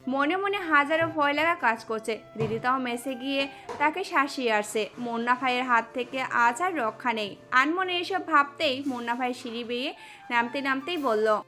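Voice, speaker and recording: A woman's voice: high-pitched, animated, moderate pace, pushed and bright. A woman reading a scripted dramatic story as the narrator of an audio drama. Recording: music under the voice.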